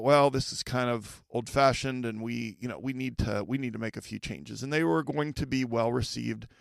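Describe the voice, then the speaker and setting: A man's voice: mid-range voice, vocal fry, no room sound, studio quality. A middle-aged man hosting a podcast for school leaders, talking conversationally, repeating key points and checking in with listeners. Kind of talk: solo podcast advice talk.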